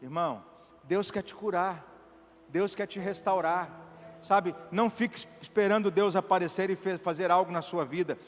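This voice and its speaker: A man's voice: high voice, moderate pace, slight background noise. A Brazilian man preaching a sermon as a pastor in a church, emphatic and pulling the congregation into call-and-response. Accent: Brazilian Portuguese. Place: church sanctuary. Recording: reverberant church hall with faint music.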